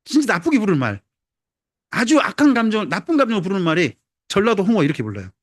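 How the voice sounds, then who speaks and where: High, lively preacher man. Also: fast talker, no room sound, clean studio sound. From Jeolla, South Korea. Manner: conversational, asks the congregation questions, humorous. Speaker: pastor. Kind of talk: sermon.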